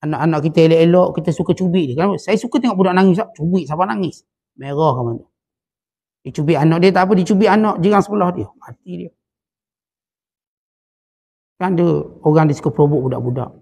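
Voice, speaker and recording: A man's voice: a little high, fast talker, darkish tone, husky. A man with a Malaysian Malay accent teaching a Sufi text, telling stories and acting out quotes with rising emphasis. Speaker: religious teacher. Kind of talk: Sufi study-circle lecture.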